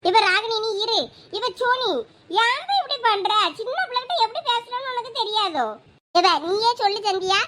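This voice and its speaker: Woman playing a scolding cartoon college girl, very high voice, fast talk, bright tone. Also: slight background noise. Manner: scolding, irritated, fast and threatening. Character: young college girl, short-tempered and sharp-tongued. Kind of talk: animated comedy voice acting.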